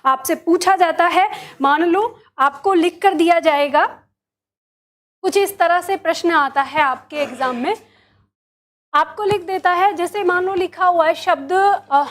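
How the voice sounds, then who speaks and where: Indian lady teacher, really high voice, patient, walks through it bit by bit. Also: a little slow, a bit bright. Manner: patient, explains step by step and checks understanding. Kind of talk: classroom lesson.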